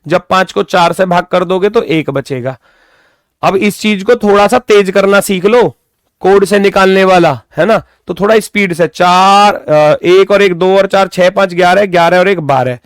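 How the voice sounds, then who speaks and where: A young man runs an exam-prep reasoning lecture. He counts through each calculation aloud and turns sharply sarcastic toward doubting students. His voice sits high, recorded close and dry with no room echo. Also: a little slow. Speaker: reasoning teacher.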